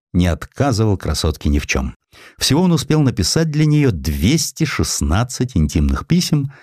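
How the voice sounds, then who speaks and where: Deep-voiced man narrating with lively intonation. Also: dry recording, clean studio sound. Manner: expressive, storytelling with deliberate phrasing. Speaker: audiobook narrator. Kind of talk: dramatized scripted narration of historical sketch.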